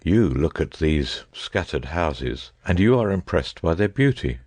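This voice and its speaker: A man reading the lines of a grave, lecturing male detective in an audiobook, in a husky voice, measured and darkly earnest. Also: low-pitched, sing-song, a little mellow, no room sound, voice pushed down, full character voice. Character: grave, brooding male detective, middle-aged.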